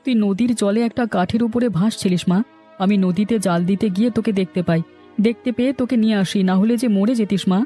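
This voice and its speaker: A woman's voice: medium pitch, fast, warm tone, lightly acted. A woman voicing a kindly, protective villager in a cartoon story. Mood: caring, reassuring. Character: kindly, protective villager who rescued a child. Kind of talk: Bengali cartoon story dialogue. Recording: faint music behind.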